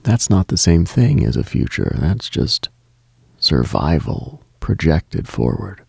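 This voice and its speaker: A man hosting a late-night radio show, speaking a slow reflective monologue in a hushed, half-whispered delivery. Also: sits low, big pitch swings, gravelly, slightly rough, no echo, clean studio sound.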